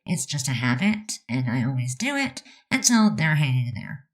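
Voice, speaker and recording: A woman's voice: a bass voice, very animated, moderate pace. A woman chatting casually over a building video, rambling with lots of fillers, her nose stuffed up. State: stuffed up, about to sneeze. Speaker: Sims builder narrating a speed build.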